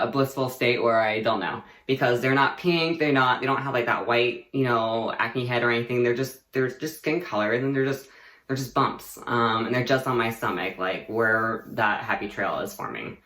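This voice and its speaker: A young man talks casually to his camera, rambling through a personal update. He leans on fillers, restarts his thoughts and laughs easily. His voice sits at a middling pitch and rings around a roomy, echoey space. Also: pushed and bright. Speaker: vlogger. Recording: echoey room.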